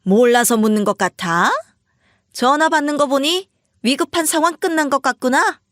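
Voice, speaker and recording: A woman voicing a sharp-tongued older mother-in-law in a storybook reading, firing off rapid reproaches. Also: sits high, dry recording, clean studio sound, voice pushed up. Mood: scolding. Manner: scolding, rapid-fire reproaches.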